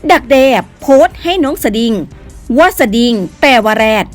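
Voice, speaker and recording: A woman narrates news commentary in a high, lively voice, scornful and condemning. Faint music plays behind her. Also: normal speed.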